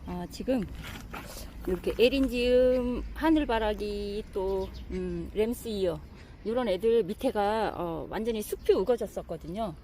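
Middle-aged woman, gardening vlog, warm mellow tone, chatty and admiring, outdoors, faint birds behind. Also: mid-range voice, normal speed, a little hiss or hum. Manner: chatty and admiring, many soft fillers. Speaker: gardening vlogger. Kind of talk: casual garden walk-through.

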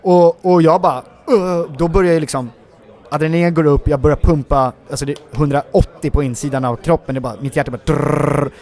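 A man's voice: on the high side, vocal fry. Rambling man telling set stories. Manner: rambling, many filler words, animated retelling. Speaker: actor guest. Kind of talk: casual interview storytelling.

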